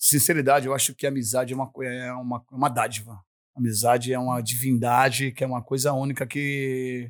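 With a São Paulo accent, a man speaks at a fairly quick pace in a medium pitch with monotone, flat intonation. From São Paulo, south zone. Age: 40s. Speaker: samba percussionist. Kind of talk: casual chat.

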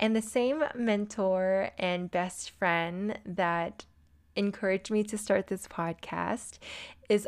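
In a very clean recording with a silent background, a woman with an American accent speaks at a fairly slow pace. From US West Coast, San Diego. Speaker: podcast host. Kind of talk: casual monologue. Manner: animated.

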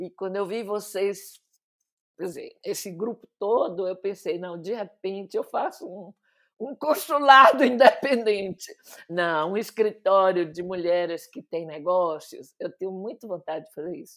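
On a very clean recording with a silent background, a woman with a plain, everyday voice speaks fairly slowly at a medium pitch, with lively intonation and big swings in loudness. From Ilhéus, Bahia, Brazil. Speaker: retired diplomat. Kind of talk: casual chat.

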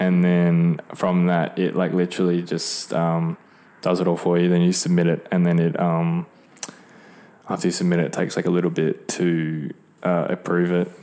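The delivery is monotone and flat, at a moderate pace. Loudness stays very even throughout. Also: man, very deep, low pitch for a man. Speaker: photographer and videographer. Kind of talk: casual chat.

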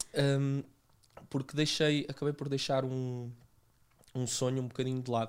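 Pausing long and often, a man talks at a moderate pace with monotone, flat intonation. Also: medium pitch for a man. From Portugal, Lisbon. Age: 20s. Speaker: surf school owner. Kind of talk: interview conversation.

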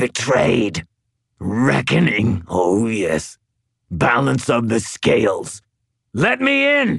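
In a put-on character voice, a man growls with a raspy, medium-pitched sound at a very slow pace, leaving long, frequent pauses. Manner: snarling, desperate.

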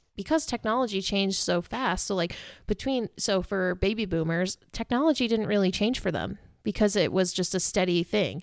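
In an unremarkable speaking voice, a woman of medium pitch talks at a moderate pace with ordinary pitch variation. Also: very clean recording, silent background. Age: 20s. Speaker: podcast host. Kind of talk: casual chat.

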